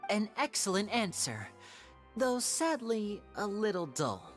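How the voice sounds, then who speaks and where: A woman playing a shrewd young magician in a video game, telling stories in a theatrical, measured, wry way. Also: mid-range voice, big pitch swings, soft background music. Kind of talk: video game voice acting, dramatic storytelling.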